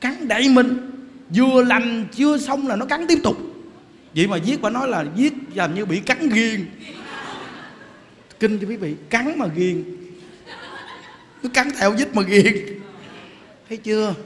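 A Buddhist monk giving an animated sermon, joking as he tells stories and addresses the audience directly. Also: extremely high pitch, measured pace, long pauses, long reverb tail, slight background noise. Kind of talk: lively sermon.

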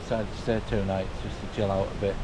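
A man's voice: on the low side, little pitch movement, quick pace. A British man in his fifties chatting casually as a travel vlogger, speaking into a handheld camera outdoors. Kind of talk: casual vlog chat. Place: outdoors on a beach and at a campsite. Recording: windy outdoor camera audio, loud background noise.

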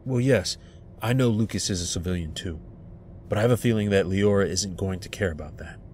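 A protective male agent acted by a man in an audio drama, earnest and reassuring. His voice is deep, with faint vehicle noise behind it. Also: a little fast, darkish tone, natural voice. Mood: reassuring, resolute.

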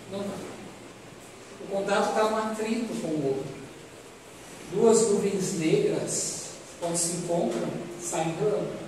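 High-voiced Brazilian man lecturing in echoey hall. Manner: didactic, repeats phrases, asks rhetorical questions. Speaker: speaker at a spiritist lecture. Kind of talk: expository religious lecture to an audience. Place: medium-sized meeting room, indoors. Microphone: distant audience camera. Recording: echoey hall, distant microphone, loud noise.

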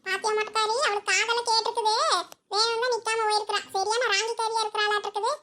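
A woman's voice: extremely high pitch, little pitch movement, fast, noisy background. A woman voicing a nosy, scolding old village mother-in-law in a cartoon comedy, grumbling and bossy in Kongu Tamil. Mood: insistent, scolding.

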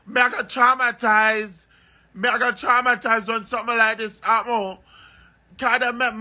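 High, sharp-voiced man ranting. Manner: rambling, repeats phrases over and over. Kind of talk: emotional vlog rant.

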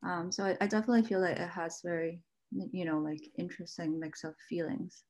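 A woman's voice: on the low side, fairly even intonation, brisk, a little mellow, a little hiss or hum. A young woman on a video call giving casual, reflective commentary in an informal, conversational way. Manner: informal, frequent "like" and "you know". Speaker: artist, panel guest.

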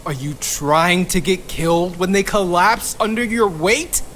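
An actor playing a foul-mouthed, exasperated young physicist who curses constantly. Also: male voice, high-pitched, a bit bright, slight background noise. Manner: cursing, exasperated, slow.

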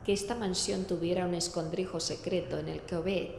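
A woman playing an analytical investigator in a horror audio drama, explaining things in a measured way. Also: lowish voice, steady tone, gravelly, a little mellow. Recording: echoey hall, faint noise, ambience.

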